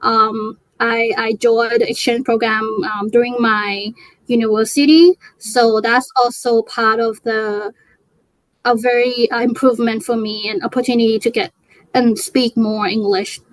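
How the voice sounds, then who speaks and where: A woman's voice: fairly high pitch, level tone, a little slow, dry recording, rough recording. A young woman from Thailand, a native Thai speaker, chatting in an interview and talking hesitantly with many fillers and restarts. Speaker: guest. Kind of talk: casual interview chat.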